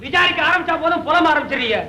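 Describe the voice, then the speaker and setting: Teasing comic rickshaw puller; high, sharp voice, roomy old film sound. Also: male voice, animated, heavily acted. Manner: teasing, rapid wisecracks. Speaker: comic side character. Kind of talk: 1960s film comedy acting. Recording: echoey old film soundtrack with faint hiss.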